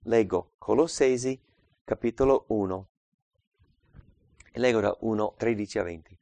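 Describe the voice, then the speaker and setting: A man preaching a Bible study, reading scripture aloud and explaining it, swinging between loud emphatic passages and quiet asides. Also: fairly low pitch, normal speed, gravelly, dry recording. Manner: reads scripture aloud and explains it, calling out verse numbers.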